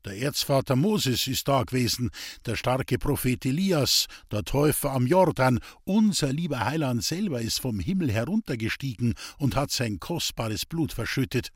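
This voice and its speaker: Man reading a kindly Bavarian village priest in a storybook, husky, patient. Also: medium pitch, expressive, normal speed, no echo, studio quality. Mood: fatherly. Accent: Bavarian dialect. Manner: patient, fatherly. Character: kindly, gently teasing older village priest.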